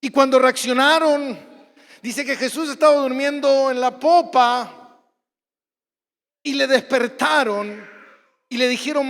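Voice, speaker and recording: A man, a pastor with a Rioplatense Argentine accent, preaching a sermon and acting out stories, at times bursting into shouts. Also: very high-pitched. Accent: Rioplatense Spanish. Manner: storytelling, acts out scenes, bursts into shouts. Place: church hall. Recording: church hall reverb.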